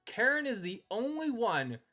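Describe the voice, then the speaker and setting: A man's voice: very high voice, sing-song, measured pace, sharp tone, faint music behind. A man hosting a ranking video, delivering scripted, opinionated commentary with emphatic phrasing. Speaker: host ranking visual novel characters.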